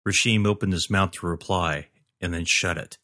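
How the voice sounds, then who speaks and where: A man giving a steady scripted narration of a fantasy story. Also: low voice, normal speed. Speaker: audiobook narrator.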